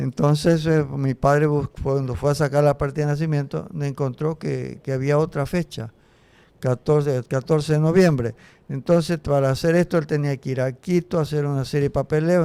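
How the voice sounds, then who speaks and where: With a dark, mellow tone and a fairly high pitch, a man speaks at a fairly quick pace in fairly even intonation. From Ecuador, coastal Guayaquil area. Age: 80s+. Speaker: retired tennis champion. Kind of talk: interview. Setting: studio. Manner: halting.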